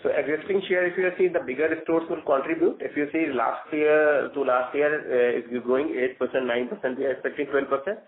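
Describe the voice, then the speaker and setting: A man with an Indian accent, a company executive answering questions on an earnings call in halting, loosely phrased explanations. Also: mid-range voice, steady tone. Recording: thin, narrow phone-line sound.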